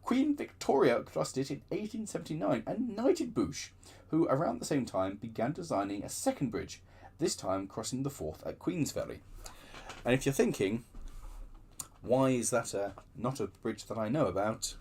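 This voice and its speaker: Man, reader and host, lively pitch swings, breathy tone, storytelling with asides. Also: normal speed. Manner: lively storytelling with chatty digressions. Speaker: channel host reading aloud. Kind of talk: reading book extracts with asides.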